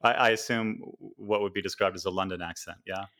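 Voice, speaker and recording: A man with an American accent hosting a podcast interview, friendly and quick to laugh, with some hesitant fillers. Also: sits low, steady tone, bright, forceful tone. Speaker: podcast host. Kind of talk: casual interview chat.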